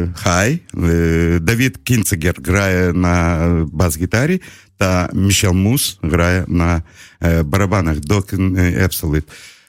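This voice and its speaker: In a very clean recording with a silent background, a man with a Ukrainian accent speaks very slowly in a very deep, low voice with ordinary pitch variation. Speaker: radio host. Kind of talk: interview; radio announcement. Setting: jazz club broadcast.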